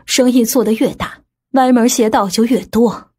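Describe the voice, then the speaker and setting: Woman playing a stern, husky aunt. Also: on the high side, fairly even intonation, normal speed, mellow. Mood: disapproving. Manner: skeptical, blunt, reproving. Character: stern, principled, conservative middle-aged aunt. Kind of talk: audiobook character acting.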